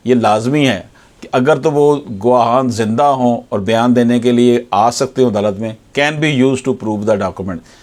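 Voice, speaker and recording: A man with a Pakistani accent explains law to viewers like an advocate, formally, repeating key points and switching into slowly read English. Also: medium pitch, a little mellow. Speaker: advocate presenting legal explainers. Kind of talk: explanatory legal lecture to viewers.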